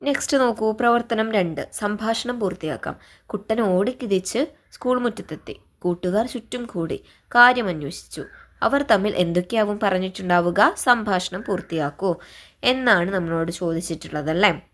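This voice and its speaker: A woman teaches a primary school class in a gentle, patient voice. She reads a short story aloud and then goes through the questions one by one, speaking warmly to the children. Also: mid-range voice, moderate pace.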